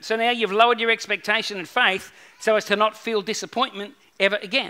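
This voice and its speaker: Against a quiet background, a raised, projected voice with a bright, sharp tone moves at a very fast pace with fairly even intonation. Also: man. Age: 50s. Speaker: pastor. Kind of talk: sermon. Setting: church. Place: church. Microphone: headset.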